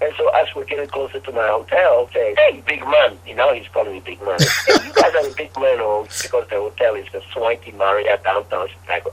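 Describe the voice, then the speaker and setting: A man's loudness swings a great deal. Noticeable background noise sits behind him. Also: fairly quick pace. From Ghana. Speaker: motivational speaker. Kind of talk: interview.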